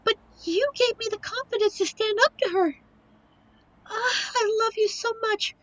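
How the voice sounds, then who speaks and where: A woman's voice: very high-pitched, unhurried, fairly bright tone, highs cut off. A woman playing a young, devoted succubus girlfriend in an audio roleplay, earnest, emotional and protective. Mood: joyful, tender. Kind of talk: audio roleplay drama acting.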